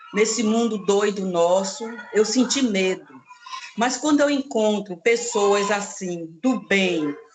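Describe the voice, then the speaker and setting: A woman talks very slowly, with clearly audible noise behind her. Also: medium pitch for a woman, ordinary pitch variation, very even loudness. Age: 60s. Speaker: participant from social organization. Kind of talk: question in online training session.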